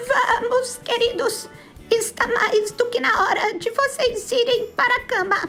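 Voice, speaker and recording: A put-on character voice, shrill and shaky, moves at a fairly slow pace with fairly even intonation and very even loudness over clear music in the background. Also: woman, extremely high pitch for a woman. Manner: calling out, anxious.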